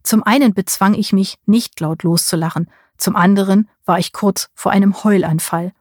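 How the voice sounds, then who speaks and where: A woman narrating a first-person audiobook in a measured storytelling way, with a husky voice. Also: medium pitch, fairly even intonation, a little mellow, dry recording, clean studio sound. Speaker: audiobook reader.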